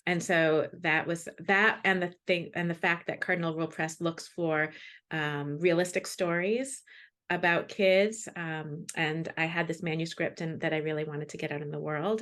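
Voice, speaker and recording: A woman's voice: low voice, fairly bright tone. A woman speaking as a guest author in a casual video call interview, with an enthusiastic, emphatic way of talking. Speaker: children's book author and guest.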